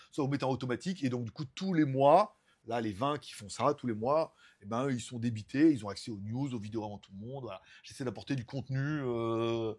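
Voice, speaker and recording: Homme à la voix voilée, assez aiguë. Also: male voice, fairly high pitch, husky. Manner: rambling, many fillers and restarts, laughs often. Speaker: tech YouTuber. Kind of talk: casual chat to camera.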